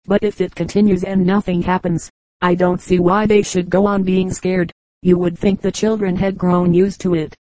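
Fields: woman doing a gruff Irish policeman. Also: on the low side, level tone, moderate pace, dark tone, dry recording, lightly acted, rough recording. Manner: blunt dialect talk, plain-spoken. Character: gruff Irish policeman in old New York.

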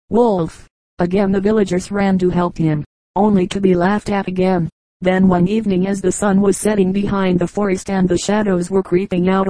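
A woman reading fables aloud in a measured, even storybook narration. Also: medium pitch, no room sound, poor audio. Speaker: audiobook reader.

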